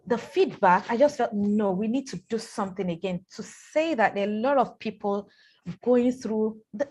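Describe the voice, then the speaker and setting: Hosting a live online talk, a woman speaks warmly but haltingly at a medium pitch. She often repeats words while she thinks.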